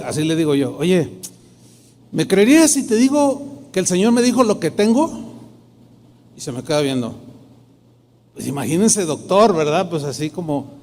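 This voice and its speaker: A man's voice: high-pitched, a little mellow. A middle-aged man, a pastor telling a personal testimony in a sermon, acting out the dialogue in shifting tones. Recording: long hall reverb.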